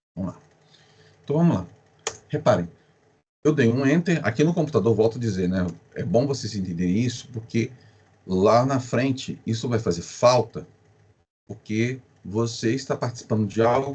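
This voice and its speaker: A man's somewhat breathy voice at a medium pitch, with ordinary pitch variation and long, frequent pauses. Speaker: Portuguese writing teacher. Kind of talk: online class. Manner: fast.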